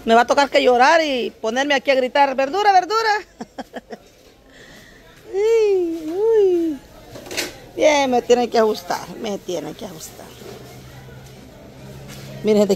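A woman's voice: medium pitch, expressive, moderate pace, vocal fry, a little mellow. A middle-aged woman, vlogging casually as she shops at an outdoor market, chatting with vendors and talking straight to her viewers. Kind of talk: casual market-shopping vlog.

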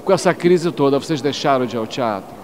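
A male TV reporter with a Carioca accent, rattling off quick questions to passers-by and stumbling over his words, recorded on a handheld mic outside a theater at night. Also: mid-range voice, animated. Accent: Carioca Portuguese. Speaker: TV street interviewer. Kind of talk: quick street interviews. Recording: noisy street ambience.

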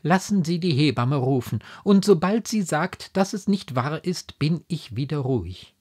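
A man's voice: a little high, expressive, unhurried, a little mellow, voice pushed up. A man voicing a desperate young noblewoman in a classic novella reading, pleading in lofty, impassioned phrases. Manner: impassioned, elevated classical diction.

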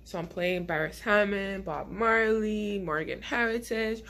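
A woman's voice: mid-range voice, unhurried, gravelly, fairly bright tone. A woman in her thirties vlogging casually to camera in a small bedroom, rambling and chatty, with a stuffy head cold. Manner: chatty, rambling, laughs often. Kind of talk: casual vlog chat to camera.

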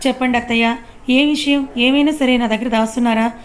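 A woman's voice: on the high side, steady tone, fairly quick, natural voice. A woman reading as a distraught young wife. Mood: confused. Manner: pleading, confrontational questions.

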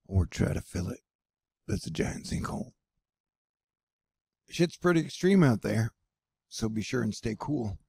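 A man's voice: medium pitch, gravelly, mellow, husky, no room sound, clean studio sound. A man hosting his own news channel, giving loose, irreverent commentary with playful asides. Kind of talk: casual offbeat news commentary.

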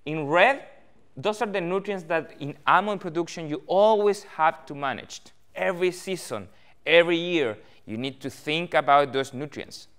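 A man's voice: fairly high pitch, moderate pace, a bit bright, smooth. A man in his thirties with a Chilean accent, giving a talk to a room of farmers, friendly and full of fillers. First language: Spanish. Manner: friendly, many fillers, gestures with hands. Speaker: guest speaker, almond research manager. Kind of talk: presentation to growers. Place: meeting hall with audience. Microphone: far camera, no mic seen.

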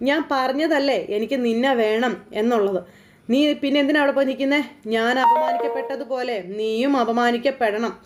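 A woman's voice: high voice, fairly even intonation, fairly quick, soft background music, natural voice. A woman voicing a bitter, vengeful man who hurls menacing threats while retelling a TV serial. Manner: menacing, taunting.

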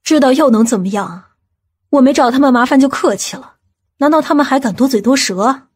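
A woman's voice: high-pitched, fairly quick, a little mellow, slightly rough. A woman voicing a bossy, irritable aunt in a dramatised audiobook, with a scolding, indignant manner. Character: domineering, irritable aunt of a company chairman.

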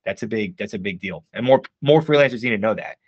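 A man's voice: fairly low pitch, lively intonation, fast, no echo, dull audio. A man who is a guest, giving advice in casual live-stream chat, emphatic and filled with "like.". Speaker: guest, game writer.

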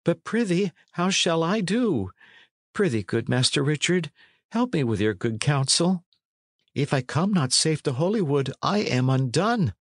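A man's voice: a little high, big pitch swings, unhurried, no echo, studio quality, pitched above the performer's own voice. A man voicing a plaintive, delicate but proud young runaway in a storybook, in courtly pleading archaic speech. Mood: pleading, rueful. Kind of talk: storybook character reading.

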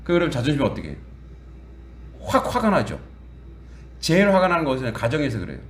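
A man preaching a sermon as pastor, in a conversational, animated way with quoted dialogue and laughter. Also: mid-range voice, a little fast. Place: church sanctuary. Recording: echoey church hall.

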